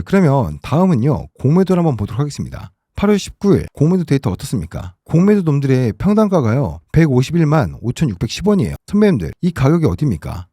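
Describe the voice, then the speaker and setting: Hoarse, animated man giving stock commentary. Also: mid-range voice, no echo, clean studio sound. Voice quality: hoarse, husky. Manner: dramatic, rhetorical, forceful wording. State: hoarse from a sore throat. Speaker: stock analysis host. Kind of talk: emphatic stock market commentary.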